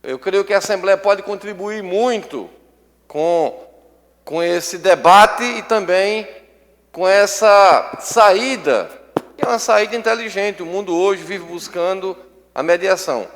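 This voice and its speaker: A man, a state legislator, giving a measured floor speech with hesitant pauses. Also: high voice, a bit bright. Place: legislative assembly chamber. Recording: long reverb of an assembly chamber.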